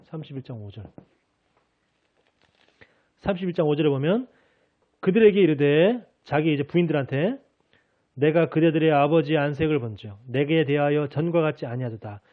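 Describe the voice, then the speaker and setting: A male pastor delivers a Sunday sermon with earnest conviction, raising his voice whenever he acts out God's promises. His pitch is a little high, his pace moderate with long pauses, and the audio sounds narrow, like a phone.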